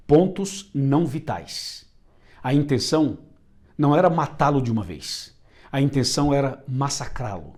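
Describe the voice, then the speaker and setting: A man's voice: medium pitch, darkish tone. A man with a Brazilian Portuguese accent preaching a sermon, emphatic and repeating phrases for effect.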